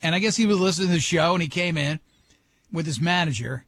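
A middle-aged man hosting a radio show, bantering and running a quick quiz in a teasing, jokey way. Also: a little high, fairly bright tone, a little hiss or hum. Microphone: studio microphone.

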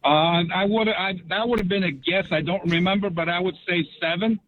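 A man's voice: high-pitched, steady tone, a little fast, dry recording, phone-quality sound. An older man from Montreal, a co-host on a radio show, easygoing in casual banter and quiz answers. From Montreal, Canada. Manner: easygoing, laughs along.

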